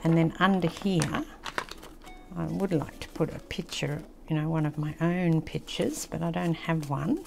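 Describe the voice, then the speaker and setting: A woman's voice: deep voice, measured pace, creaky, over music. An older woman with an Australian accent, chatting casually and reminiscing as she hosts a craft tutorial at a table. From country New South Wales, Australia. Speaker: craft channel host.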